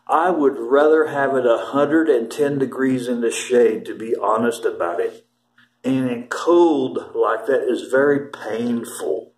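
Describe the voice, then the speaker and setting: A man's voice: medium pitch, a little mellow, a little hiss or hum. Older man rambling, echoey room. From Ohio, USA. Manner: rambling, emphatic, restarts sentences. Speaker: vlogger. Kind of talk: casual storytelling to camera. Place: small plain indoor room. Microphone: phone camera held close.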